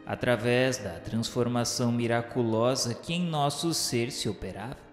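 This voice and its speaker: Solemn male narrator in echoing reverb. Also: mid-range voice. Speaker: narrator of a religious radio drama. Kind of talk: solemn scripted literary narration. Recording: echoey hall-like reverb with music. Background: music.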